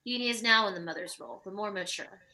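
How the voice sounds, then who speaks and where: Casting: female narrator for script directions, mid-range, crisp bright tone. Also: medium pitch, fast talker. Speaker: stage directions reader.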